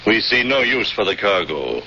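An actor playing a curt, merciless censor of an autocracy in a radio drama, with a brusque, commanding manner. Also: male voice, on the low side, sing-song, normal speed, sharp tone. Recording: muffled, faintly noisy old radio broadcast.

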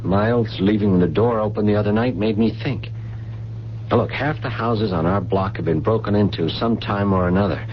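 A man's voice: on the low side, normal speed, lightly acted. An actor playing a cold, scheming male heir turned plotter in 1970s radio drama style. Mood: cold, calculating. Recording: dull, noisy 1970s radio broadcast.

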